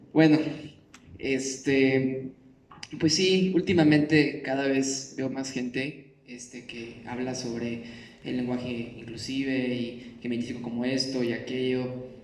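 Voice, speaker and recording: A man gives his opinion at a press conference. He speaks in an unhurried, relaxed way. He sounds a bit away from the mic in a reverberant room. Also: mid-range voice. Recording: echoey room, from a distance.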